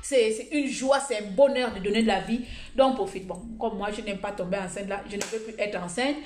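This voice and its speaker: A woman vlogger giving blunt, humorous advice in a casual monologue, telling stories with animated energy. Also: mid-range voice, brisk, a little hiss or hum. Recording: echoey room.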